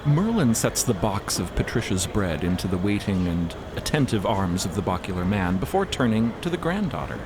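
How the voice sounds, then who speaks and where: A man's voice: lowish voice, big pitch swings, moderate pace, few pauses, noisy background. A man narrating a scripted story in a dramatic storytelling style. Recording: music behind narration.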